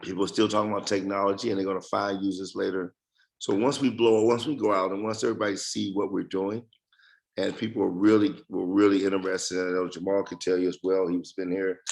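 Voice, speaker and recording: Gravelly man with a fading voice. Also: low voice. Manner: rambling, repeats phrases. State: losing his voice. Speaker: project leader giving updates. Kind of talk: casual group call update.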